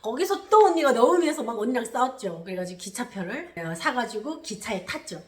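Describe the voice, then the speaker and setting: High-voiced woman telling a story. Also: a little fast, reverberant. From North Korea. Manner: animated, re-enacts quotes with loud high bursts. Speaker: channel host. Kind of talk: personal storytelling.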